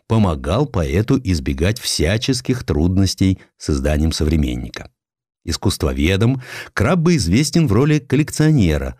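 A male narrator with a fairly low voice reads literary prose in a measured, theatrical way. His pitch moves widely and expressively through the phrases. The sound is dry, with hardly any room on it. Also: darkish tone, no room sound. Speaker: audiobook narrator.

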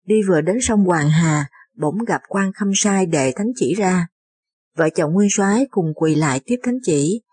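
A woman with a low, slightly husky voice reads a historical novel aloud in a steady, measured way. The recording is close and dry, with no room sound around her. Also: no echo. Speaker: audiobook narrator. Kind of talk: scripted narration of a historical novel.

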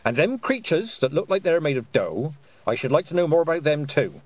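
A man's voice: a little high, big pitch swings, fairly quick, no echo, pitched above the performer's own voice. A man voicing a stern, proud old woman witch who speaks in clipped, commanding statements.

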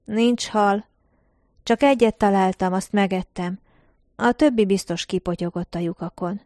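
A woman voicing a parched, hoarse space traveler. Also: medium pitch, fairly even intonation, darkish tone, no room sound, studio quality, lightly acted. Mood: weary. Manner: hoarse, weary murmur. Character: exhausted thirsty male space traveler.

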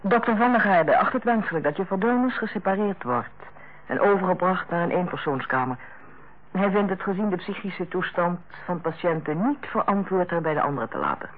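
A woman's voice: lowish voice, expressive, slight background noise, lightly acted. Woman acting a composed hospital director, tinny radio sound. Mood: businesslike. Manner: measured, diplomatic, formal. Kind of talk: Dutch radio play acting. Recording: tinny, narrow-band old radio recording.

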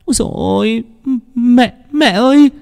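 A man's voice: extremely high pitch, normal speed, vocal fry, warm tone, smooth, pitched above the performer's own voice. A man voicing a timid young woman who stammers out hesitant questions. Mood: terrified. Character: young woman, timid and frightened daughter-in-law.

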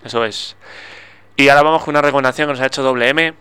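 A man's voice: medium pitch, rapid-fire, clean tone. A man with an accent from Spain co-hosting a radio show in a studio, talking in casual, joking banter. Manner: joking, self-mocking, relaxed banter.

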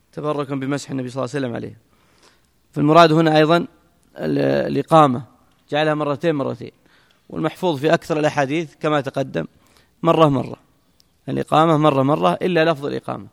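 A man explaining a religious text to a class in a brisk manner, with quick asides and restarts, recorded in an echoey hall. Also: on the high side, steady tone, vocal fry. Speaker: teacher explaining a hadith text. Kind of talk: classroom commentary.

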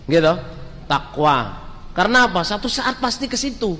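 Man, preacher, storytelling sermon, slightly high voice, faint room ambience. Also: normal speed, big-room sound, a little hiss or hum. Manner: storytelling, lively, addresses the crowd directly. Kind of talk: sermon to a congregation.

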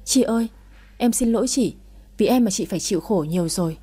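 A woman's voice: mid-range voice, fairly quick, mellow, slightly rough, natural voice. A woman voicing a young woman who pleads anxiously and tearfully. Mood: pleading.

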